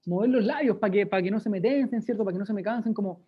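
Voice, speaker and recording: Over dull, lo-fi video call audio, a Chilean-accented woman teaches a lively online workshop on speaking. She talks quickly at a medium pitch with a breathy edge, demonstrating exercises and frequently checking on her listeners.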